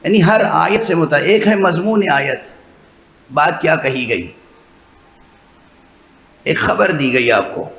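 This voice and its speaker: A man's voice: on the high side, expressive, vocal fry, long pauses, fairly bright tone. A man, a religious scholar, giving a sermon lecture that explains its points step by step and often checks with listeners through rhetorical questions. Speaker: religious scholar addressing a mourning gathering. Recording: echoey hall with faint background noise.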